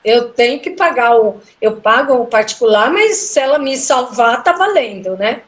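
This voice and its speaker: A middle-aged woman with a fairly high voice tells a personal story in relaxed conversation. She retells it with feeling and slips into the voices of the people she quotes. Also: moderate pace. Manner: emotional, animated retelling with quoted dialogue. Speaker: guest telling a personal story. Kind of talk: casual storytelling interview.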